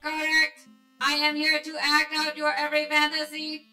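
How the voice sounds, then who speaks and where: A woman's voice: sits high, monotone, normal speed, sharp tone, roomy sound, soft background music. A woman playing an emotionless female pleasure android in a sci-fi radio drama, with polite, stilted, formulaic seduction. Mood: flatly seductive. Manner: robotic, formulaic, stilted sultry delivery.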